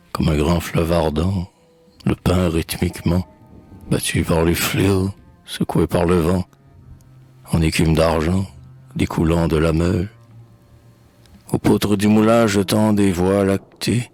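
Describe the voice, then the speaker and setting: A man recites poetry solemnly in a very low, husky voice. His delivery is very slow and measured, with declamatory phrasing given to each line. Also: darkish tone. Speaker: poetry reader.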